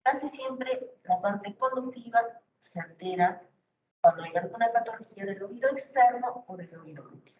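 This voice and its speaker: A woman's voice: a little high, normal speed, a little mellow. A woman giving a university lecture, explaining step by step and often checking in with rhetorical questions. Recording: distant, roomy, dull lo-fi recording with faint noise.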